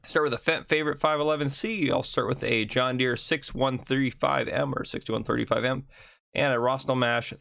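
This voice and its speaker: A man with a gravelly, fried morning voice talks through a video game map tour in a relaxed, chatty way, tossing in ums and quick asides as he goes. The sound is close and dry, with no room around it. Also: medium pitch, no room sound. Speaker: gaming channel host.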